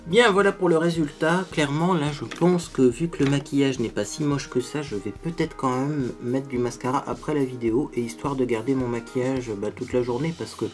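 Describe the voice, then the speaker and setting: A man of ordinary middle pitch talks viewers through his makeup in a loose, chatty way. He pokes fun at his own efforts and keeps tossing in small asides to the audience. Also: fairly quick, hardly any pauses, soft background music. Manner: chatty, self-mocking, tags sentences with "hein". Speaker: beauty vlogger. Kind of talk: casual makeup tutorial.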